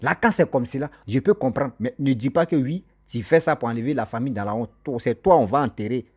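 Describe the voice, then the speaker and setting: A social commentator speaks straight to camera in a fast, mid-range voice that's a little mellow and husky. In this moralizing monologue he scolds his viewers and keeps repeating his points.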